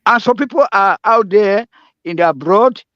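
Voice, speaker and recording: A man's voice: sits high, expressive, moderate pace, dry recording. A man with a Nigerian, Pidgin-inflected accent chats in a live audio room, rambling, laughing and repeating himself. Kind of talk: casual live-room chat. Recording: dull lo-fi dry stream audio.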